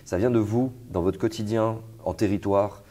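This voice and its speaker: Young man, host, very deep voice, chatty with fillers. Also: fairly even intonation, moderate pace, mellow. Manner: conversational, with fillers and restarts. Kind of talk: casual interview conversation.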